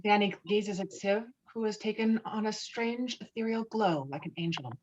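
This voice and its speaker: A woman's voice: medium pitch, normal speed, darkish tone, dull audio, a little hiss or hum. A woman reading stage directions as the narrator of a dramatic script.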